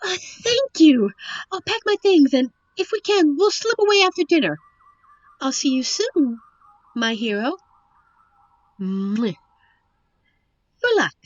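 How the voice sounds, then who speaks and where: A young, sheltered princess, voiced by a woman, pleads earnestly in a high, girlish voice. Her delivery is slow and wistful, as in a fantasy audio drama. The sound is dry and slightly dull. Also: sing-song, no room sound, full character voice. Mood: hopeful, affectionate. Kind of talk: dramatic audio roleplay acting.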